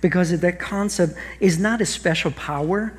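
Speaking at normal speed in a high voice, a middle-aged Austrian-accented pastor delivers an earnest sermon from a large church stage before an audience. He frequently restarts his sentences and asks rhetorical questions.

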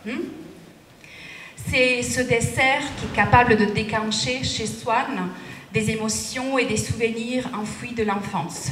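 A middle-aged woman delivers a conference talk, slow and deliberate, often checking in with her listeners. Her voice is somewhat high. The sound is roomy and heard from a distance, with faint noise behind it. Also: steady tone, fairly bright tone. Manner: deliberate, asks the audience rhetorical checks. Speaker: conference speaker. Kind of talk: lecture presentation. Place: conference room at a lectern. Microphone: handheld mic. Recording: echoey room, distant capture, faint noise.

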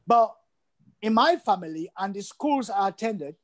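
A man's voice: high-pitched, expressive, a little slow. An older man from Sierra Leone, a guest on a video call interview, speaking emphatically and repeating phrases for stress. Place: indoor room at home.

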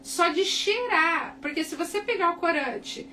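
A Brazilian woman teaching cake decorating in a chatty, animated tutorial, often tagging her sentences with quick checks to the viewers. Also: very high-pitched. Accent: Brazilian Portuguese. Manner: chatty, animated, repeats tag questions like "tá?" and "né?". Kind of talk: casual tutorial talk to viewers. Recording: distant mic with faint background noise.

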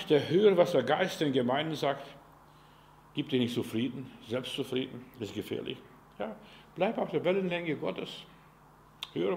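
Male preacher with mid pitch: fervent, direct and folksy, heavy on rhetorical questions, dynamic volume. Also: vocal fry. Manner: fervent, asks many rhetorical questions, swings between loud and quiet; folksy and direct, speaks to the listener as "du". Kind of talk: sermon.

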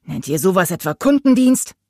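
A woman's voice: lowish voice, very animated, moderate pace, no echo, clean studio sound. A woman doing a cursing, blustering ferryman. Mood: fed up. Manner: cursing, shouting, exasperated. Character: grumpy, blustering male ferryman, middle-aged.

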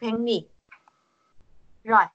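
Patient teacher, woman, high and bright, video-call lesson. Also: fairly even intonation, slow, lo-fi sound. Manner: patient, coaxing, repeats words for students. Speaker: Korean language teacher. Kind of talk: online pronunciation lesson.

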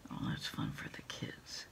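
A middle-aged woman in a quiet ASMR roleplay as an order taker, murmuring in a halting, breathy whisper. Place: small indoor room at a desk.

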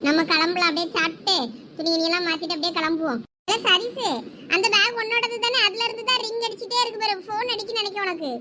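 A woman acting a frantic mother in a comedy skit, talking fast in rural dialect. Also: extremely high pitch, steady tone, noisy background. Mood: chatty. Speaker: skit actor playing several village characters.

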